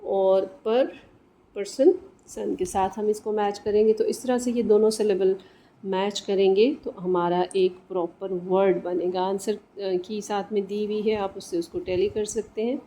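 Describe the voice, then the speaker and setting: A Pakistani woman gives a recorded English lesson. Her voice is mellow and warm. She reads each English line slowly and carefully, then explains it. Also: medium pitch, little pitch movement, slight background noise. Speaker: English teacher. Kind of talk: classroom lesson explaining in Urdu with English reading.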